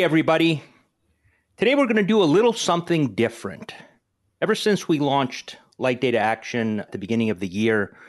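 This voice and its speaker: A talkative man in his forties hosts a podcast in a casual, upbeat way. He grew up in New Jersey and learned Greek before English, and he often restarts his sentences as he goes. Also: mid-range voice. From northern New Jersey. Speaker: podcast host.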